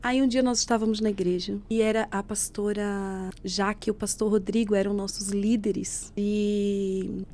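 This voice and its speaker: A woman telling an emotional personal faith testimony as a podcast guest. She tells it as a lively story, acting out what people said. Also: medium pitch, normal speed. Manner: lively storyteller who acts out quoted speech. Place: podcast studio.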